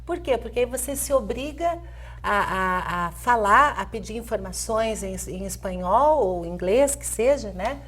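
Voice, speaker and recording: Higher-pitched Brazilian woman teacher. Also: expressive, unhurried, a bit bright, breathy edge. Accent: Brazilian Portuguese. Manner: hesitant fillers, frequent "né?", light laughs. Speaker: Spanish language teacher, guest. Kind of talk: explanatory interview talk.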